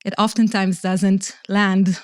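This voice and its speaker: A woman with an Israeli accent answers interview questions in a measured, earnest way, often pausing to restart a thought. Her voice is smooth and clear, and it sounds close and dry. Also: medium pitch, little pitch movement, a little mellow, no room sound. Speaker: legal advisor for a humanitarian organization. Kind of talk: podcast interview.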